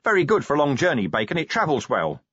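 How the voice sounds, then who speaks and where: A man narrator plays a weary, middle-aged watch commander in a fantasy audiobook. He is husky and sardonic, with dry wit and animated intonation. The sound is slightly dull. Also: fairly high pitch, fast, no echo, pitched above the performer's own voice, heavily acted. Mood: pleading. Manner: dry, wry. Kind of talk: audiobook character voice.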